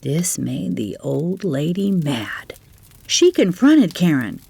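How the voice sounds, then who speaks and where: A woman narrating a children's fairytale as a storyteller, with expressive delivery and dramatic, drawn-out emphasis. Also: deep voice, gravelly, noisy background.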